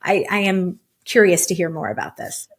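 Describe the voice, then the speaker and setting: Woman podcast host asking questions. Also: lowish voice. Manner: measured, scripted questions with casual asides. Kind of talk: podcast interview.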